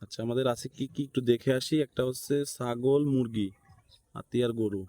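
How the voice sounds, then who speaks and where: A man's voice: medium pitch, fairly even intonation, brisk, dark tone, no room sound. A man with a Bangladeshi accent giving a casual, unscripted step-by-step tutorial, thinking aloud and often checking in with short tag questions. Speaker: tutorial instructor.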